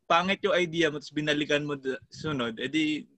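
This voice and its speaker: A man hosting a podcast interview, talking in a relaxed, chatty way. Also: a little high, brisk, no room sound. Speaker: podcast host. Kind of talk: casual conversational interview.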